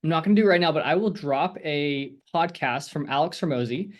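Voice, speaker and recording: A man's voice: on the high side, fairly quick. A man coaching a group on a video call, talking casually in a rambling, encouraging way with lots of fillers. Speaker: sales coach.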